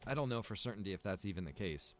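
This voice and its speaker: Rambling man with a lowish voice. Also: expressive, quick pace. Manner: rambling, thinking aloud. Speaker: streamer and server developer. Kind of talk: casual gaming stream chat.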